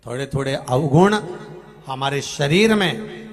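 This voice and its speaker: A man from Madhya Pradesh giving a devotional Hindu sermon, moving between sung verses and emphatic preaching that swings from loud outbursts to soft asides. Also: medium pitch, animated, a little slow. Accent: Madhya Pradesh Hindi. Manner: sings bhajan lines, then preaches with emphatic rising outbursts and soft drops. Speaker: kathavachak preacher.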